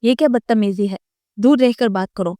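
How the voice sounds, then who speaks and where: Earnest young wife in a storybook, voiced by a woman; smooth, close, dry sound. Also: medium pitch, mellow, no room sound, close to an everyday voice. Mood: firm. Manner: earnest, firm when defending. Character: young wife, modest and protective. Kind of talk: storybook reading.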